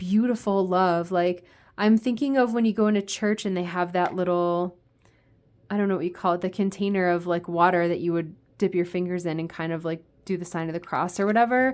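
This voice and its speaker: An ordinary speaking voice from a woman at medium pitch, fairly quick, with ordinary pitch variation, on a very clean recording with a silent background. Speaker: tarot reader. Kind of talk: tarot reading monologue. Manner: filler-heavy, casual.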